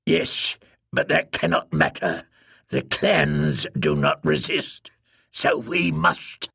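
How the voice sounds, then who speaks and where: A man's voice: mid-range voice, very animated, measured pace, vocal fry, fairly bright tone, husky, dry recording, studio quality, heavily acted. A man voicing a fierce, bitter female alien tribal leader in a storybook, stern and hard. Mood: bitter, defiant.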